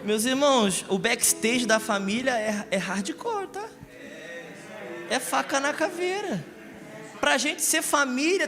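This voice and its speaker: A man from Rio, preaching a live Sunday sermon, joking and asking his congregation questions. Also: very high voice. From Rio de Janeiro, Brazil. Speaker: pastor. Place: church service in a large hall. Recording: echoey church hall with music.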